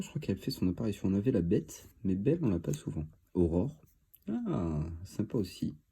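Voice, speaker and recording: A man's voice: on the low side, mellow, slightly rough. A man with a cold and a stuffy voice, chatting casually as he opens trading card packs, thinking aloud with lots of fillers. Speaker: card-opening video host. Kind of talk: casual commentary while opening card boosters.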